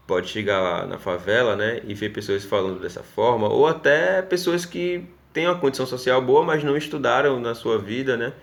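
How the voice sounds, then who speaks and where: A male teacher with a Pernambuco Brazilian Portuguese accent giving a recorded class lesson, explaining step by step and checking in with his students often. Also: mid-range voice. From Northeast Brazil.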